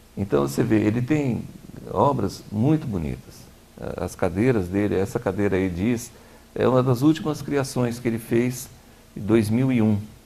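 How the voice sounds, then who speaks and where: Long, frequent pauses break up speech with lively intonation and a dark, mellow tone, heard with audible room echo. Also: man, medium pitch for a man, moderate pace. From interior of São Paulo state, Brazil. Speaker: furniture designer. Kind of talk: lecture.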